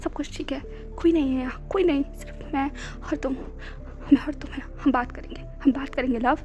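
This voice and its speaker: A woman voicing a calm, tender young man who soothes his drunk lover in a hushed, reassuring voice. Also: high voice, normal speed, highs cut off, faint music behind. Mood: soothing.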